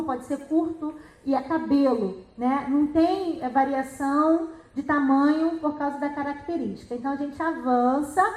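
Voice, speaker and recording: Woman, middle-aged, high-pitched, lively teaching talk, rhetorical questions, reverberant room. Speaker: educational psychologist and teacher. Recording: echoey room.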